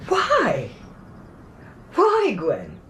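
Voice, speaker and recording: Posh-ish curious lady of the house, radio drama, slow n dramatic, swoopy pitch, bit of background hiss. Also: huge pitch swings, fairly bright tone, heavily acted. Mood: insistent, curious. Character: curious, persistent genteel mistress of the house.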